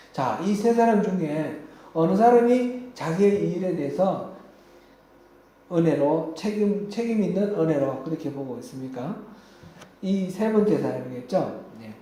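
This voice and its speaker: A man's voice: fairly high pitch, lively intonation, unhurried, warm tone. A man pastor preaching a midweek sermon in a church, telling personal anecdotes in a conversational way. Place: church sanctuary. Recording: very echoey church hall.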